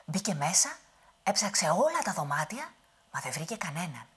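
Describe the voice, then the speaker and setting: Dramatic woman storyteller, low-ish husky voice. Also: sing-song, a bit bright. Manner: dramatic, drops to whispers. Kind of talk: oral storytelling performance.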